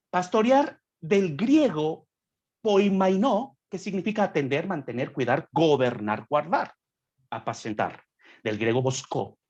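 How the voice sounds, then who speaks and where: A man's voice: on the high side, a little mellow, husky, lo-fi sound. A young man speaking as a guest on a podcast, preaching earnestly and acting out quoted voices as he explains a point.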